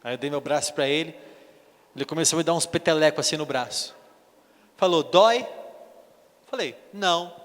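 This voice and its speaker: A man's voice: fairly high pitch, a little fast, pauses often, in a large hall. A man preaching a sermon as a bishop, telling stories animatedly and acting out the dialogue himself. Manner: animated storytelling, acts out dialogue.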